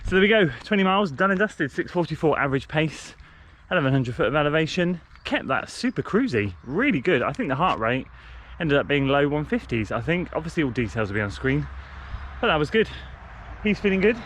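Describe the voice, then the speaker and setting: A man's voice: on the high side, very animated, a little fast, fairly bright tone, a little hiss or hum. A man vlogging casually outdoors on forest trails, upbeat and chatty as he talks through his running plans. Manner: upbeat, chatty, matter-of-fact. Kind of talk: casual vlog talk to camera.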